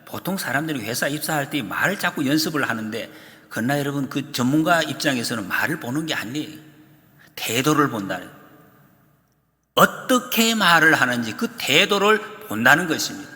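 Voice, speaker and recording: Animated male pastor in a reverberant church. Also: medium pitch, normal speed. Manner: animated storytelling, acts out quoted prayers and complaints. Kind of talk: sermon. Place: church sanctuary. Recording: long reverb of a church hall.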